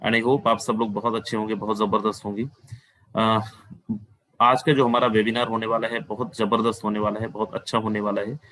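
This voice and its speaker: A man's voice: fairly low pitch, little pitch movement, fairly quick, a bit bright, no echo, low-quality recording. A man giving a persuasive sales webinar over a video call, repeating his points and mixing in phrases. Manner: persuasive, repetitive, mixes Hindi with English phrases. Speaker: webinar presenter.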